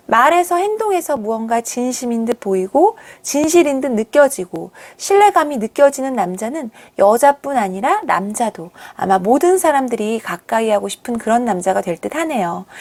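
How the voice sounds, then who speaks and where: Chatty woman host, slightly high voice. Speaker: channel host. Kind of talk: scripted explainer narration.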